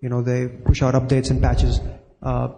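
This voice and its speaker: A man's voice: mid-range voice, monotone, moderate pace, creaky, dark tone. A young man co-presenting a technical conference talk at a podium mic in a large hall, explaining casually with many fillers. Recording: echoey hall, faint noise.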